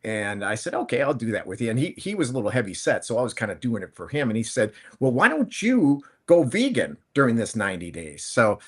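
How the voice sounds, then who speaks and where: A man's voice: mid-range voice, sing-song, brisk, few pauses, a bit bright, husky. A man in his fifties, a guest on a panel, telling his story in a rambling, conversational way with many restarts. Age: 50s. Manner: rambling, conversational, frequent restarts and self-corrections. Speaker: panel guest, plant-based food entrepreneur. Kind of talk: casual panel chat.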